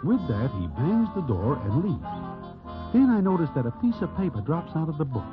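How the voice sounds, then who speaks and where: An actor playing a wry Broadway narrator in a 1940s radio drama, speaking formally, without contractions. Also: male voice, on the high side, very animated, moderate pace. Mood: narrating. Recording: tinny old radio broadcast with music.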